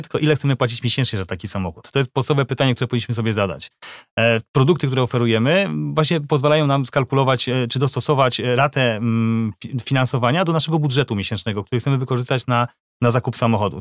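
A man's voice: mid-range voice, quick pace, no echo, clean studio sound. A man who represents a financing company in a discussion, agrees readily and explains the options. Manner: agreeable and explanatory, often confirms. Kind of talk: conversational discussion.

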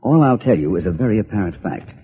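An actor playing a suave, composed detective with a dry, ironic manner, in 1940s radio-drama style. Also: male voice, fairly low pitch, expressive, quick pace, slightly rough. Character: suave urbane male detective. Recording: dull old radio recording.

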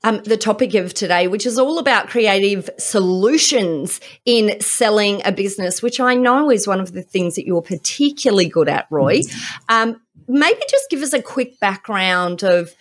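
A middle-aged woman hosting a business interview podcast, upbeat and enthusiastic, quick to laugh. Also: medium pitch, expressive. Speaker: podcast host, commercial lawyer.

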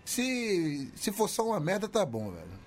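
A man's voice: high-pitched, wildly swooping pitch, measured pace. A man bantering casually in a grumpy, sarcastic, sweary way. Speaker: podcast panelist.

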